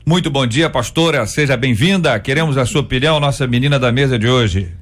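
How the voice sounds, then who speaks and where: A Brazilian man moderating a live gospel radio debate. He speaks in a friendly, probing way, often summing up what the guests said. His pitch sits mid-range for a man. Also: brisk. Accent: Brazilian Portuguese. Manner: friendly, probing, restates points.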